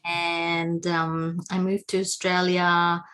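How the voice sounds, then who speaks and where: Over a video call, an Indonesian woman tells her life story as an interview guest, speaking very slowly in a lowish, level voice with soft music in the background. She is warm, laughs often, and searches for words with many fillers.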